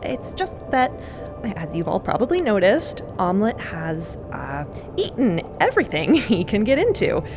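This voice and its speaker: A woman playing a timid, apologetic young explorer who speaks politely and haltingly in an audio drama. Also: medium pitch, wildly swooping pitch. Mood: awkward, apologetic. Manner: hesitant, polite. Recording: music bed underneath.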